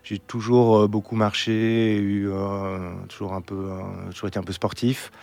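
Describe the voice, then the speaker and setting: A man from Belgium in his thirties, a mountain photographer talking in a relaxed podcast interview, hesitant with many fillers and restarts. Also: lowish voice, unhurried.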